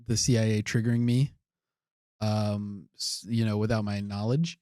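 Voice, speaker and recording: A male podcast co-host in casual comedic chat, bantering playfully with quick jokes and frequent laughs. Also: on the low side, little pitch movement, mellow, no room sound, clean studio sound.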